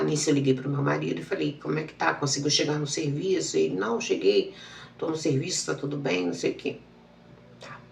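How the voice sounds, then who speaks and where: A woman's voice: very deep voice, gravelly, darkish tone, roomy sound, far from the mic, slight background noise. A woman, telling a personal story and acting out the dialogue. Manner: emotional, repetitive retelling with quoted dialogue. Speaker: channel host.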